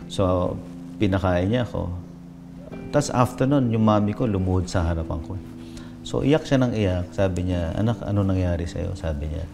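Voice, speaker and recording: A man's voice: on the low side, vocal fry. A man, a pastor telling his personal testimony in a reflective way, switching between Tagalog and English. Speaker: pastor, interview guest.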